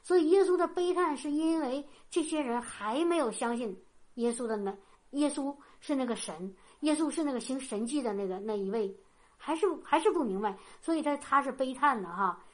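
Higher-voiced woman preaching casually. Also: expressive, moderate pace. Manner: informal, often tags sentences with a soft "ha"; loose and repetitive, with frequent restarts. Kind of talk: conversational sermon with Bible reading.

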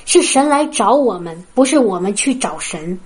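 A woman's voice: mid-range voice, animated, normal speed, a little hiss or hum. A woman from China preaching a sermon. She tells her own testimony in an earnest, storytelling way and speaks directly to her listeners. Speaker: preacher at a healing prayer meeting.

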